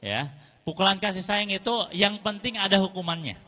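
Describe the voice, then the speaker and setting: A man, giving a lively storytelling lecture to parents as an Islamic teacher, repeating phrases for emphasis. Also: high-pitched, brisk.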